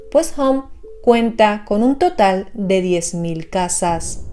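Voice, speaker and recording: A woman reads scripted narration for horror storytelling in a measured, explanatory manner. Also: medium pitch, mellow. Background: background music.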